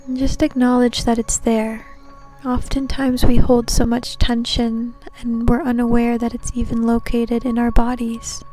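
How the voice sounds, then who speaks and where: Woman doing a guided meditation, real slow and mellow, faint music behind her. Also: fairly high pitch, monotone, rough recording. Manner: soothing, gentle, unhurried. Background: soft background music.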